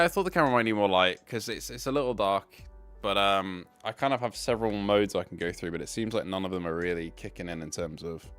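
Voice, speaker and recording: Male streamer, low clear voice, loose rambling chat over faint music. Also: a bit bright. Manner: rambling, fixing tech while talking. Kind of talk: casual live stream chat.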